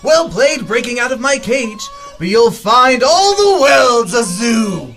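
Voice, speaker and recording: Shrieking manic clown supervillain. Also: male voice, very high voice, very animated, slow, sharp tone, faint music behind, full character voice. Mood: mocking, goading. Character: manic sadistic clown supervillain, gleefully cruel, taunting.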